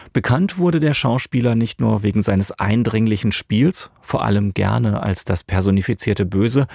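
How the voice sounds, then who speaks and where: A man's voice: lowish voice, creaky, a little mellow, dry recording. A man presenting a scripted radio introduction from a studio.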